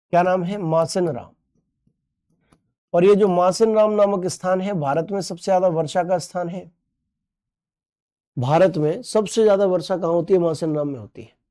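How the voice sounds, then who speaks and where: A man leads an online exam-prep lesson in a high but mellow voice. He jokes along with students' comments, then drills terms by repeating them and asking quick questions. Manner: playful, joking with students' comments. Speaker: teacher.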